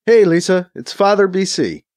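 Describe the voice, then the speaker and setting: A man's voice: high-pitched, sing-song, moderate pace, darkish tone, voice pushed up. A man voicing a suspicious, sarcastic male Catholic priest with a wary, sardonic, terse way of talking, in a science fiction audiobook. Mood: firm, sarcastic.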